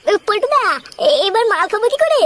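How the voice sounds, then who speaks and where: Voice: very high-pitched, sing-song, brisk, a bit bright, heavily acted. A voice actor playing a dim-witted, boozy young sidekick in a cartoon, stammering and whining with crude words. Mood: whiny. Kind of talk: cartoon voice acting.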